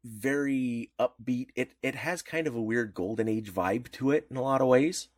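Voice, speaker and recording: A man's voice: medium pitch, moderate pace, no echo, clean studio sound. A man co-hosting a podcast, explaining comics history in a rambling, enthusiastic way with many restarts. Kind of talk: casual podcast chat.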